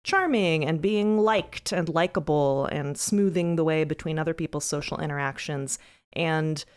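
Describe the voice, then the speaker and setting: Woman on a podcast panel, pretty low voice, casual but thoughtful, picking things apart. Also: normal speed, clean tone. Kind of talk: casual roundtable discussion.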